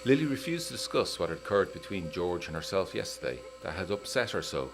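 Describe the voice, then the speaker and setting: A man narrating a letter in a measured, formal, old-fashioned manner for a gothic audio drama. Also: deep voice, big pitch swings, over music. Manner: measured, formal period storytelling.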